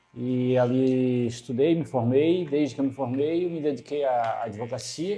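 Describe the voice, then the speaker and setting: A man talks at a medium pitch. Music can be heard behind him. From Florianópolis, Brazil (manezinho). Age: 50s. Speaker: lawyer, cancer survivor. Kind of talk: interview.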